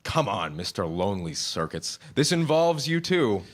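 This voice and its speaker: Man acting a flustered, low-voiced romantic lead. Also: very animated, moderate pace. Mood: excited. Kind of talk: staged comedy screenplay reading.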